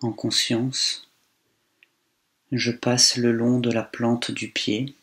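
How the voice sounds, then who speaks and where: A man guides a meditation with a very level, barely varying intonation. His delivery is slow and calm, with long pauses between phrases, and his pitch sits at an ordinary medium height for a man. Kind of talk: guided body scan meditation.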